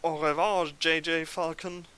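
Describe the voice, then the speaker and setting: A man's voice: fairly high pitch, flat delivery, measured pace, bright, forceful tone, clean tone, faint music behind, low-quality recording. A man doing a gloating bird assassin. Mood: menacing. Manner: taunting, threatening.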